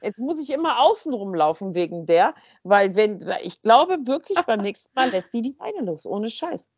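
A woman with a husky voice and a mid pitch tells a story in a relaxed chat, acting out the lines of each person. Her voice sounds close and dry, with a slightly dull, lo-fi tone. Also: normal speed, dry recording. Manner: lively, animated storytelling with quoted dialogue. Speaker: podcast co-host.

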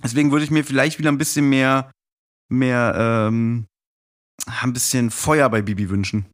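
A man's voice: medium pitch, fairly even intonation, moderate pace. A middle-aged man talking casually and reminiscing as a guest on a podcast.

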